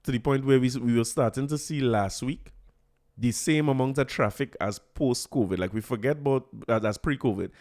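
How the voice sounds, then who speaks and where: A man's voice: medium pitch, normal speed, a little mellow. A man with a Trinidadian accent hosting a podcast, talking casually and joking with frequent laughs and repeated words. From Trinidad and Tobago. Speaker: podcast host. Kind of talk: casual solo commentary.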